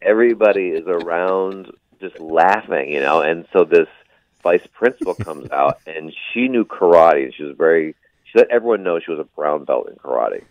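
A man's voice: deep voice, expressive, moderate pace, no room sound, highs cut off. A male stand-up comedian guest on a radio show, telling rambling stories with dry, self-deprecating asides. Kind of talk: casual radio interview.

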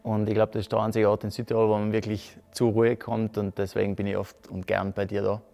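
A man's voice: fairly low pitch, monotone, a little fast, gravelly, dark tone. A man, a guest in a casual interview who hesitates and restarts often. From South Tyrol, Italy. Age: 30s. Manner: hesitant, many restarts and fillers. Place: rustic hotel lounge with fireplace.

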